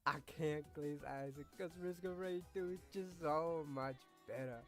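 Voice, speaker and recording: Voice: mid-range voice, a little slow, faint music behind. A guest gamer eagerly pushing another game on listeners. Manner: enthusiastic, pushy recommending. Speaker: guest gamer giving a clip.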